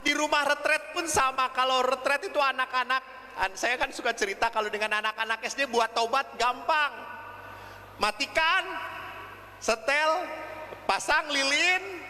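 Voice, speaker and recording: A man's voice: extremely high pitch, fairly even intonation, moderate pace, pushed and bright. A man, a Catholic priest, preaching with humorous stories, acting out dialogue and sound effects, with an Indonesian accent. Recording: echoey hall with faint ambience.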